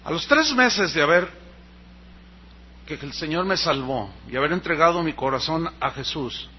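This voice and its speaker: A Mexican man preaching a sermon, telling a personal story and acting out the dialogue with lively energy. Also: a little high, normal speed, slightly rough, dull audio. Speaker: pastor.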